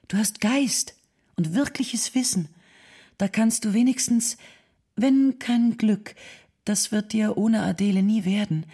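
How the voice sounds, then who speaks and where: A woman playing an affectionate, encouraging nineteenth-century letter writer with a husky voice, in a dramatic reading. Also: medium pitch, warm tone. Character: affectionate, encouraging 19th-century woman writing to an old friend.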